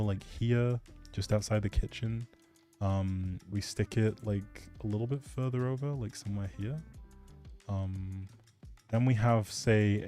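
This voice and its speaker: He has a fairly low, warm voice and is hosting a relaxed gaming stream, chatting with viewers. His replies to chat ramble and falter, often tapering off, over background music.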